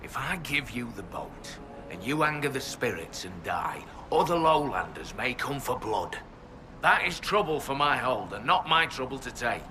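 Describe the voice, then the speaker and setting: An actor playing a proud, wary tribal warrior in a fantasy video game, speaking in terse, formal, archaic phrases. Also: male voice, mid-range voice, sing-song, normal speed, over music, close to an everyday voice. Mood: wary, blunt. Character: proud, wary male hill-tribe warrior, plain-spoken and superstitious.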